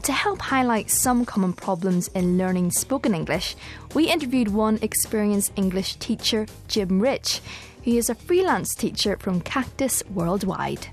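A woman from Northern Ireland with a Northern Irish accent, co-hosting an English learning programme in clear, explanatory scripted speech. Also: mid-range voice, animated, a little slow, faint music behind. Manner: clear, explanatory, asks co-host questions. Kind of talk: scripted educational presenting.

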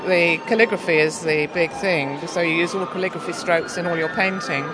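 A woman's voice: on the low side, steady tone, fairly quick, low-quality recording. A woman interviewed at an event, speaking earnestly and thoughtfully. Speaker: festival visitor, painting student. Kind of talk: street vox pop. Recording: crowd and music behind.

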